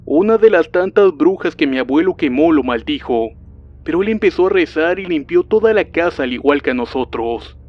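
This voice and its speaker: A man narrating a witch horror story in a calm, even storytelling voice. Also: on the high side, moderate pace. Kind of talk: scripted narration. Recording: dull lo-fi sound with faint music.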